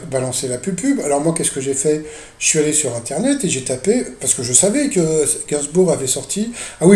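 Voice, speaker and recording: A man's voice: a little high, warm tone. A man giving casual, mocking commentary on a TV quiz show for his video channel, hesitating often with fillers. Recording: echoey room.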